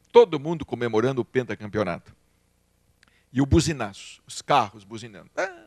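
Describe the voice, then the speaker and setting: Over a quiet background, a man talks at a fairly quick pace with ordinary pitch variation, big swings in loudness and long, frequent pauses, the sound dry with no echo. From Brazil, Minas Gerais (Uberaba); Minas Gerais, Brazil. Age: 50s. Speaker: author and spiritist medium; interviewee. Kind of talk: interview. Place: studio. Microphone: handheld.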